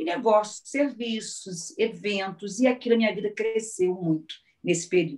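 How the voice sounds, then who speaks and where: A woman talks at a moderate pace with a fairly high pitch. Her voice is somewhat breathy, and her intonation is lively. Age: 60s. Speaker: motivational speaker. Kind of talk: testimony.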